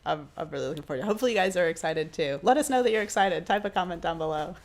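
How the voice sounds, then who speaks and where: Podcast co-host, trans man early on testosterone, high voice just beginning to drop, easygoing and laugh-prone. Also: racing. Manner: upbeat, laughs often. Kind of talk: casual chat.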